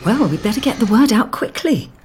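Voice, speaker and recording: A woman playing a sceptical, practical queen and bossy wife in an audio pantomime, with a husky voice. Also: a little high, very animated, brisk, a little mellow, a little hiss or hum. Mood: brisk, bossy. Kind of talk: pantomime radio acting.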